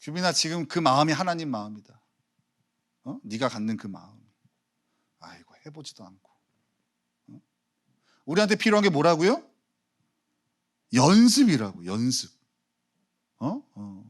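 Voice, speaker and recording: A man preaching a Sunday sermon as pastor, animated, swinging from soft asides to loud emphasis. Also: a little high, a little slow, pauses often. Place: church sanctuary.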